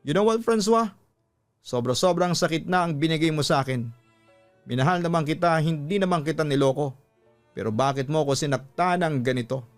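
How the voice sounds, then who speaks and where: A man's voice: on the high side, a little fast, soft background music, lightly acted. A man voicing a betrayed Filipina wife, emotional and reproachful, in a radio-style story drama. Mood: hurt, reproachful. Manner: emotional, reproachful, switching between Tagalog and English. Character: hurt, angry betrayed Filipina wife confronting her husband.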